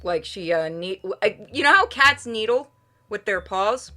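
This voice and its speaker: Female game streamer, bright forward voice, playful, informal delivery, music underneath. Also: mid-range voice, expressive, measured pace. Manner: playful, informal, swears freely. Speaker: game streamer reading a visual novel aloud for chat. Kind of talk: casual livestream chat and read-aloud game narration.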